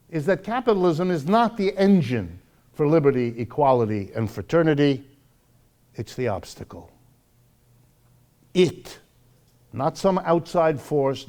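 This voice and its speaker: Emphatic American man lecturing, mellow voice. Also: a little high. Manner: emphatic, dramatic, rhetorical questions and repetition. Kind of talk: live public lecture.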